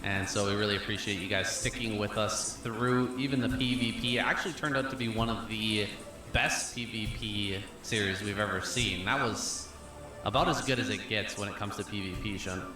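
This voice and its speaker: Male caster, lowish pitch, hyped commentary, roomy broadcast sound with music bed. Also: moderate pace. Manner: energetic, hyping up the match. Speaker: esports commentator. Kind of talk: play-by-play commentary.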